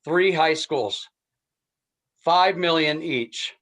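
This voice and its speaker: Earnest higher-pitched man giving a speech. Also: drawn-out words, fairly bright tone. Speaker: contest speaker. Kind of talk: impromptu persuasive speech.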